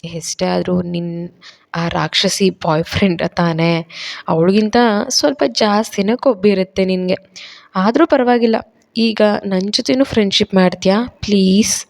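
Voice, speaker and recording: A woman's voice: mid-range voice, a little slow, vocal fry, darkish tone. A woman voicing a lovelorn young man who talks in a sulky, teasing way.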